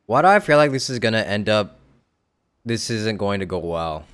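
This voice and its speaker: A man's voice: on the low side, lively intonation, normal speed, a bit bright, clean tone. A young man giving casual, joking, slangy live commentary as a game streamer.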